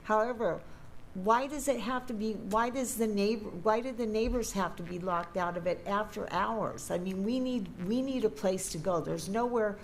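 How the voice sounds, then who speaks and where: A woman's voice: mid-range voice, normal speed, slight background noise, rough recording. An older woman neighbor giving a plain-spoken, rambling public comment at a school board meeting, often correcting herself.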